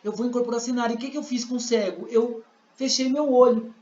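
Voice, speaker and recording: A sign language interpreting teacher with a Brazilian Portuguese accent leads a class, explaining through examples and acting out scenes. His voice is very high, steady and darkish, and he talks fast. The recording is roomy, dull and lo-fi.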